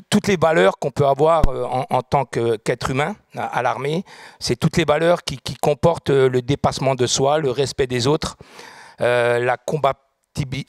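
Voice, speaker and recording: Middle-aged guy, halting and earnest on a studio set, holding a handheld mic, tight dry sound with no room ring, average pitch. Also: no room sound. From France. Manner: hesitant, many fillers, grows more earnest. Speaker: guest, restaurant group founder. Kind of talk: studio interview answers.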